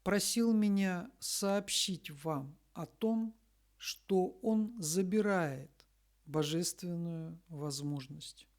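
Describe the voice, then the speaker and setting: A woman reads a scripted spiritual message in a solemn, deliberate manner, pausing between short phrases. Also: fairly low pitch, darkish tone. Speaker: spiritual messenger reading a message.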